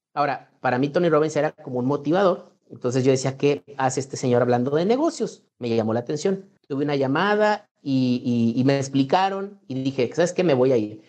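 An unremarkable speaking voice moves at a fairly quick pace with ordinary pitch variation and hardly any pauses. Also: man, fairly high pitch for a man. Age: 40s. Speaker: physician. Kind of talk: interview.

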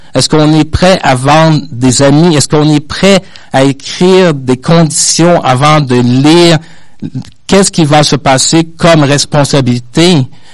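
Fairly slow and very even in loudness, a man talks in an ordinary speaking voice. His pitch is fairly high, with fairly even intonation. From Quebec, Montreal. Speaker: debate contestant, radio show host. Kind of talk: competitive debate. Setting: radio studio.

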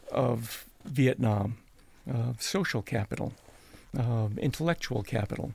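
This man's voice comes across as somewhat breathy. He speaks at a fairly slow pace. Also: medium pitch for a man, ordinary pitch variation. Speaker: Vietnam veteran, retired firefighter, hospice educator. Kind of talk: radio interview. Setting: radio studio.

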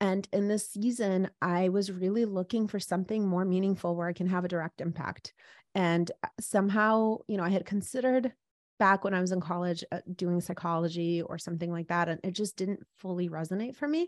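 In an unremarkable speaking voice, a woman talks at a fairly quick pace and medium pitch with fairly even intonation, a dry, close sound with no echo and a quiet background. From Russia (Moscow), emigrated to US at age 8. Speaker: stepparent coach. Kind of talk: podcast interview.

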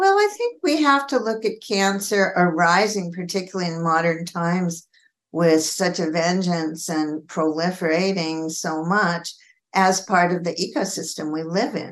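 With a Californian accent, a woman speaks at a fairly slow pace and with ordinary pitch variation over a quiet background. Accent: General American (Californian). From California, US. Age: 70s. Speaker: integrative cancer care practitioner. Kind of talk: interview conversation.

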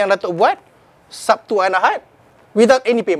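This man's voice sits high in pitch. His pitch moves in an ordinary way. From Malaysia, Selangor (Shah Alam). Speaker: stand-up comedian and architect. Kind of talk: casual chat; rhyming comedy routine.

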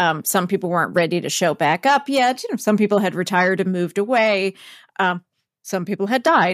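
With an American accent and an ordinary speaking voice, a woman talks at a fairly quick pace in a medium pitch with ordinary pitch variation, recorded very cleanly against a silent background with a dry, close sound and no echo. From Connecticut, US. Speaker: Episcopal priest. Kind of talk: casual interview chat.

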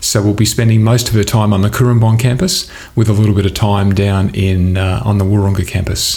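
A man speaks fairly quickly with an Australian accent, his fairly low pitch and fairly even intonation carried at very even loudness with hardly any pauses over noticeable background noise. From Adelaide, South Australia. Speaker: church leader, pastor. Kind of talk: interview. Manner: halting.

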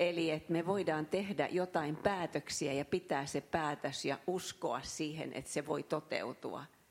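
A woman speaks slowly-ish at a fairly slow pace, with a very deep, low pitch and fairly even intonation. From Finland. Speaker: audience member. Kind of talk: personal anecdote. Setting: chapel with audience.

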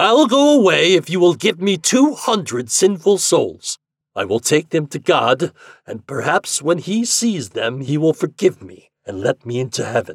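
A man's put-on character voice, fairly high-pitched with a slightly husky edge, big pitch swings, and a fairly slow pace.

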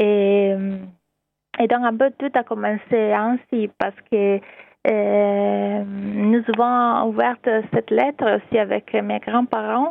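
Very slowly, with long, frequent pauses and very even loudness, a woman talks. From Italy. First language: Italian (speaking French). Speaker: author and illustrator. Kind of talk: interview. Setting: phone call. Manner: halting. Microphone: phone line.

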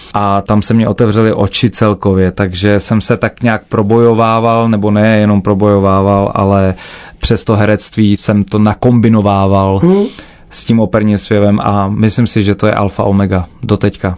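A man speaks at a moderate pace with a fairly low pitch, his intonation monotone and flat. His loudness stays very even while music plays in the background. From Czech Republic. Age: 30s. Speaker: opera singer. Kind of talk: radio interview. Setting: studio.

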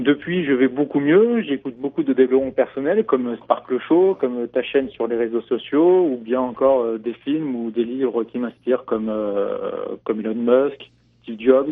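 With ordinary pitch variation, a man talks at a medium pitch and a moderate pace. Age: 20s. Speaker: caller, sales manager in family business. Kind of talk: phone-in call. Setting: phone call. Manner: hesitant with fillers.

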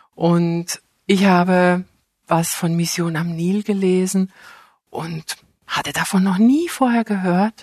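Very slowly and with long, frequent pauses, a woman speaks at a medium pitch with fairly even intonation in a dry, close sound with no echo. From South America. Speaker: mission organisation worker. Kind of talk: interview.

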